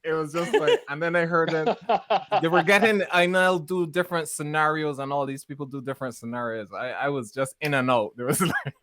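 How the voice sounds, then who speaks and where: Bajan man, higher-pitched, swapping stories. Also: fairly quick. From Barbados. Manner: animated storytelling, breaking into laughter. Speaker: stand-up comedian and podcast panellist. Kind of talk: casual podcast chat, telling anecdotes.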